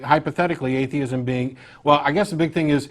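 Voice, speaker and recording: Blunt, higher-voiced male call-in show host. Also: fairly even intonation, fast. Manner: assertive, blunt, interrupting. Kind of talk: unscripted call-in debate.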